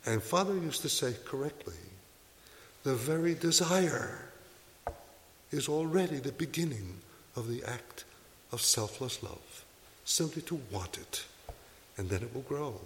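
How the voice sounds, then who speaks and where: A man's voice: medium pitch, lively intonation, measured pace, long pauses, a bit bright, long reverb tail, slight background noise. A man, a Catholic priest, giving an earnest sermon, exhorting his listeners and asking them rhetorical questions. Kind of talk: sermon to a congregation.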